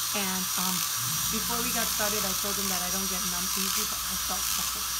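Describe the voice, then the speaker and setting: A woman talks at a fairly quick pace. Loud background noise is present. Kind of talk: casual vlog chat. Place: home room. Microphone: phone near.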